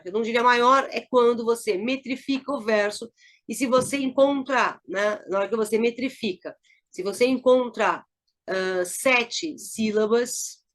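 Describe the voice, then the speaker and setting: A middle-aged woman teacher with a Brazilian Portuguese accent, explaining a lesson and checking in often with her listeners. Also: mid-range voice. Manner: explanatory, checks in with frequent tags. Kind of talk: recorded lesson review.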